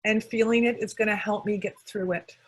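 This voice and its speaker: Breathy woman leading a tapping session. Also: medium pitch, brisk. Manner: calm, leads with short phrases for repeating. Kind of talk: guided call-and-response tapping session.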